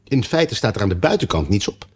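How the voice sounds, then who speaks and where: A man's voice: fairly low pitch, sing-song, fairly quick, darkish tone, breathy edge. A man voicing a nervous, overly polite white rabbit herald in a storybook reading. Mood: flustered.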